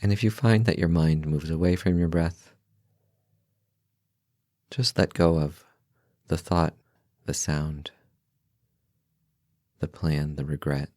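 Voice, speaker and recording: A man leading a guided meditation in a calm, gentle, unhurried manner, leaving long pauses between short phrases. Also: extremely low pitch, no room sound, clean studio sound. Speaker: meditation guide, podcast host.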